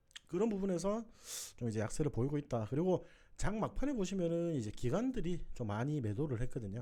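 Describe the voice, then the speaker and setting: A man's dark, mellow voice at a fairly quick pace. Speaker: stock market broadcaster. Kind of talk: live market commentary. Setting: live stream. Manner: casual, many filler words.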